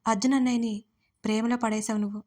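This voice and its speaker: A woman's voice: fairly high pitch, level tone, quick pace, warm tone, close to an everyday voice. A woman voicing a cheeky, teasing young woman, the groom's playful sister, in a romance audio story.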